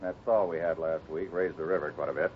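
Muffled radio steady cowboy boss. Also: male voice, very deep voice, quick pace. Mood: businesslike. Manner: firm, plain-spoken, takes charge. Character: steady, commanding cowboy ranch boss, fatherly. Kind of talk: 1950s radio serial acting. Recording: muffled, noisy old radio recording.

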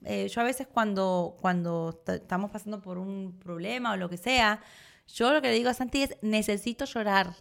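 A woman, co-hosting a casual chat with her partner in an expressive, emotional way. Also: mid-range voice, normal speed, vocal fry. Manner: expressive, emotional, laughs easily. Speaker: co-host.

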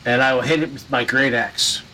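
A man's voice: medium pitch, fairly even intonation, fairly quick, pushed and bright, low-quality recording. A man playing a tabletop game, swearing casually and checking the rules aloud. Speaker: player.

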